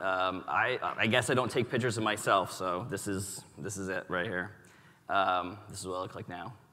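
A man with an American accent speaks at a fairly quick pace. His fairly low voice has a bright, sharp tone. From United States. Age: 40s. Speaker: conference speaker, software engineer; conference speaker. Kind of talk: conference talk. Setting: stage with audience. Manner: hesitant, many fillers. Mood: relaxed, light humour. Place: hall.

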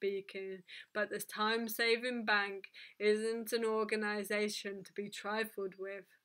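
A natural reading voice carries the clip. It stays that way from start to finish.

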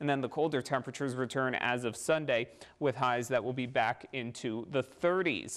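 A man at medium pitch and a moderate pace, with ordinary pitch variation. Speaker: TV weather forecaster. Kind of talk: local TV weather forecast, reading temperatures and outlook. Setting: TV studio. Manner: steady, clear presenter delivery, listing temperatures city by city; explanatory, walking viewers through the weather pattern. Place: studio. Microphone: lapel.

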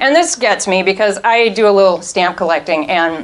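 The woman's intonation is lively. She talks at a moderate pace. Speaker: presenter. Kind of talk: travel talk presentation. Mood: enthusiastic, lightly humorous. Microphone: handheld.

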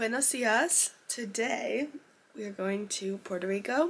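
Her intonation is lively as the woman speaks. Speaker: travel vlogger. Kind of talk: casual vlog chat. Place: home room. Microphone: phone near.

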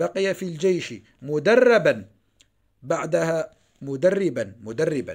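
A man's high-pitched voice sounds against a quiet background. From Algeria. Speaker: teacher. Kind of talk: tutorial. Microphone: phone near.

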